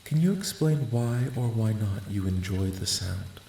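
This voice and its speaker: A man voicing a calm, curious, clinical alien researcher in a soft-spoken ASMR roleplay, with measured, formal, detached questioning. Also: on the low side, creaky. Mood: detached curiosity. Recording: roomy echo, light background noise.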